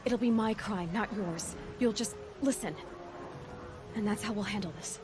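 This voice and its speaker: A woman's voice: medium pitch, normal speed, over music, lightly acted. A young woman playing a headstrong, defiant tribal huntress in a video game, earnest, stubborn and questioning. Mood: defiant, determined. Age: young adult. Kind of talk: video game cutscene voice acting.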